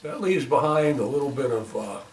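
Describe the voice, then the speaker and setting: A man giving a casual hands-on repair demonstration as a volunteer technician, talking haltingly and thinking aloud as he works. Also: medium pitch, expressive, darkish tone. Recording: roomy, noisy, distant microphone.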